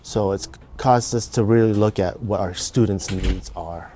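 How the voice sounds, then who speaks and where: A man with a fairly low voice speaks haltingly. He fills many pauses, and faint noise sits behind him. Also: mellow. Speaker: school administrator. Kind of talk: interview answer.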